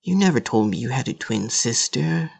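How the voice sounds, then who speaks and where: A woman playing a gruff office co-worker in an audio drama. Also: a bass voice, lively intonation, normal speed, darkish tone, full character voice. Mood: dry, officious.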